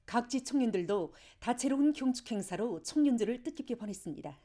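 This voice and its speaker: A woman's voice: fairly high pitch, lively intonation, a little fast, warm tone. A woman with a North Korean accent reading formal scripted news in a solemn, declamatory state-broadcast manner. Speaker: news announcer.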